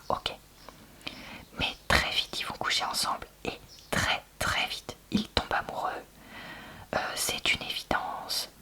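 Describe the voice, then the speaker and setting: A woman whispering softly in a library whisper, chatting candidly in a conversational ASMR book-review style. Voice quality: soft, breathy unvoiced library whisper. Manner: hushed, conversational, candid opinions.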